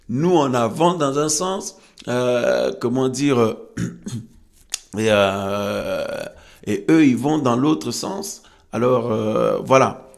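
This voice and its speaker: A man preaching a sermon, teaching from scripture in a halting way and repeating phrases for emphasis. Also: lowish voice, vocal fry. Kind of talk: French-language evangelical sermon, teaching from Bible verses. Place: room with some resonance.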